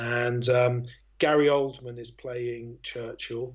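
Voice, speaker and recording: A man with an English accent at a medium pitch, somewhat breathy, with monotone, flat intonation, a very slow pace and a quiet background. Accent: English accent, acquired. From Scotland. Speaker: actor. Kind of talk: interview. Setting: podcast interview. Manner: halting, many fillers and repeats.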